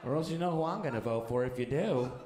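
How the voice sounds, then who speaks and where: A man's voice: medium pitch, expressive, quick pace, pitched below the performer's own voice, natural voice. A male stand-up comedian playing a judgmental white coffee-shop customer, disapproving and menacing. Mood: scolding threat. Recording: echoey live club with loud audience.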